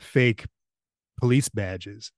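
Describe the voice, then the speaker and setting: A man with a fairly low voice hosts a podcast, drawing out his words as he chats eagerly and casually. He rambles enthusiastically through an animated retelling, recorded dry with clean studio sound.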